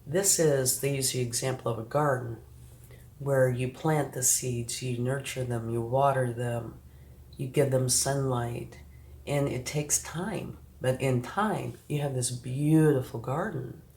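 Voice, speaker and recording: A tarot reader with a rumbling low, darkish voice speaks at a measured pace, talking directly to the viewer. Still sniffly from a recent flu, she's reassuring and says "okay" and "right" often, in an echoey room with faint background noise.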